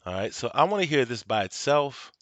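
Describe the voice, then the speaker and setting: A man hosting a casual software tutorial at his home desktop, explaining each step in a relaxed, instructive way with frequent "um" and "okay". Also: mid-range voice, fairly quick, over music. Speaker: video tutorial host. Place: home desk at a desktop computer.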